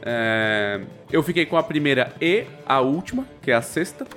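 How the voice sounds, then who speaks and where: A man's voice: mid-range voice, very animated, normal speed, a bit bright. Casual, slangy Brazilian man podcasting over music. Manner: informal, slangy and sweary. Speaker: podcast co-host and tabletop RPG writer.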